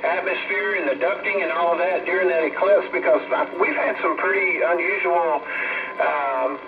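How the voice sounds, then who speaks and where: A man's voice: on the high side, fairly even intonation, normal speed. A man with a Texan accent chats casually in a folksy, colloquial way as a CB radio operator. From Texas, United States. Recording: very noisy, phone-like CB radio audio.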